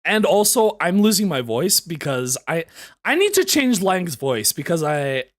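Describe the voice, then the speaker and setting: A woman streaming a game, animated and laughing, her voice going hoarse. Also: lowish voice, a little slow. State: losing her voice. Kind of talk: live game playthrough with voiced reading.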